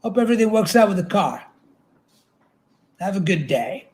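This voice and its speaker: A man reading aloud as a chatty, folksy state trooper who is quietly suspicious and leans on pointed questions. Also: sits high, sing-song, moderate pace. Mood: curt, casual. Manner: insistent rhetorical questions. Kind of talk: dramatic literary reading.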